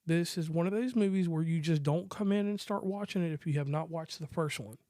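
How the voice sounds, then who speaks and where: Higher-pitched American man, casual podcast host. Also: brisk, warm tone, dry recording, studio quality. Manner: rambling, joking, informal slang. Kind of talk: casual movie review chat.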